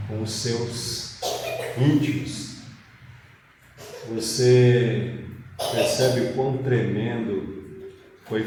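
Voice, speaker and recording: A Brazilian man preaching and reading scripture, speaking deliberately phrase by phrase in a church hall. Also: medium pitch. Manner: deliberate, phrase by phrase, with rhetorical questions. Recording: very echoey hall, distant mic, faint noise.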